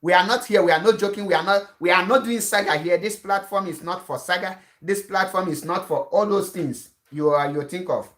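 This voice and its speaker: A man's voice: high-pitched, brisk, few pauses, a bit bright. A Nigerian-accented man, an Igbo speaker, delivers an urgent online address in the manner of an activist broadcaster. He hammers points home by repeating himself and often restarts mid-sentence. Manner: insistent, repetitive warnings, frequent restarts.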